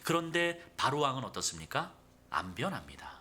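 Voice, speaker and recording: Lively, bright-voiced man preaching. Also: medium pitch, brisk, slightly rough. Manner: preaches with rising intensity, acting out quoted voices; drops to a near whisper for emphasis. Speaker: pastor. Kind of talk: sermon.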